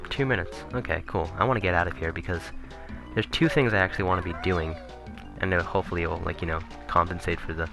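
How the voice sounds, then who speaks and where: A man commentating casually on a video game he is playing, rambling and correcting himself, his voice turning raspy. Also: low-pitched. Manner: rambling, self-correcting, chuckling asides. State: voice getting raspy. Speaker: let's play commentator. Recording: game music playing behind.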